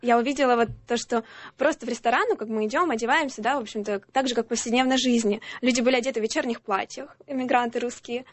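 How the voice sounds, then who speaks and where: A woman's voice: a little high, steady tone, fast talker, slightly rough, dry recording. A woman from the Urals with a Urals Russian accent, casually telling anecdotes as a talk show guest.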